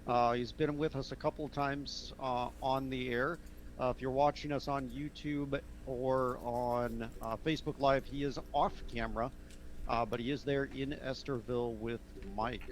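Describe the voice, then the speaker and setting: A man co-hosts a casual sports podcast at an ordinary middle pitch. He talks in a relaxed, halting way, often pausing on fillers. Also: slight background noise. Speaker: podcast co-host.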